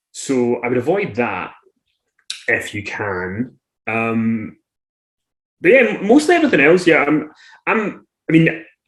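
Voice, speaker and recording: A man in a strong Scottish accent, fairly high-pitched, with very wide pitch swings, a fairly slow pace and long, frequent pauses. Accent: thick Scottish. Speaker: wrestling interviewer and podcaster. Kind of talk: interview conversation.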